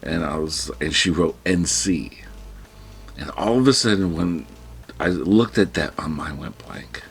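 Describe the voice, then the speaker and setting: A man tells a personal story on his vlog in a low, creaky voice at a measured pace, with faint music behind him. He breathes heavily, rambles and restarts casually, and quotes his own words in panicked whispers.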